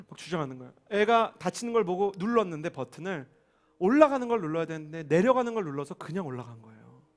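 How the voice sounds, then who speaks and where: A young man preaching a sermon in church, telling a personal story in an animated way and acting out the voices of the people in it. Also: high-pitched, a little fast. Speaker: pastor. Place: church service. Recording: faint music behind.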